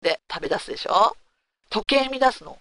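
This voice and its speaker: A woman's voice: medium pitch, fairly quick, gravelly, no room sound. A woman hosting a talk segment, telling a personal story candidly and casually, asking her listeners rhetorical questions. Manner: frank and animated, asks listeners rhetorical questions.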